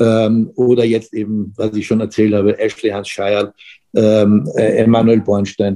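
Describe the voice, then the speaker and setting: A man with a fairly low pitch and a dark, mellow tone speaks at a fairly slow pace. His intonation is monotone and flat. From Austria, Vienna. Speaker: gallery owner and former magazine editor. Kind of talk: interview. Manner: halting, many fillers.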